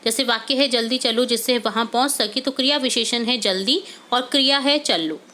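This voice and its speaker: A woman's voice: a little high, moderate pace, sharp tone. A woman teacher going through workbook answers step by step, mixing English words into her explanations. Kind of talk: workbook solution lesson.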